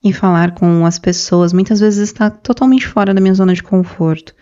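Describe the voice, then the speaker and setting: Earnest woman with a warm, mellow voice. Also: medium pitch, steady tone, fairly quick, no room sound, lo-fi sound. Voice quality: earnest, self-described shy. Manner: emotional, repetitive, confessional. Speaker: Christian video creator. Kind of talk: personal testimony to camera. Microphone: camera mic.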